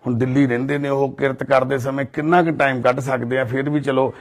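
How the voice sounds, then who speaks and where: A man's voice: mid-range voice, fairly even intonation, brisk. A man with a Punjabi accent, narrating a family's story as a charity volunteer and earnestly consoling an elderly woman, in an outdoor residential colony. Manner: earnest, soothing, speaks of divine duty. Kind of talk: documentary narration and consoling talk.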